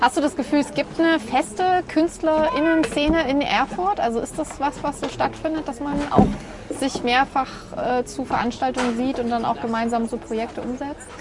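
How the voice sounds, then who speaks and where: A woman talks at a moderate pace in a high voice with ordinary pitch variation. Noticeable background noise runs under her speech. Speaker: podcast host. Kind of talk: casual chat. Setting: outdoors.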